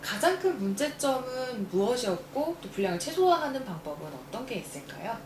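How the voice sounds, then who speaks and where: A woman interviewer asks her questions politely and often answers with brief "yes" sounds. Her pitch moves a lot as she speaks. The room has a strong echo and noticeable background noise. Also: big pitch swings, fairly quick. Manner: polite and attentive, with frequent short acknowledgements.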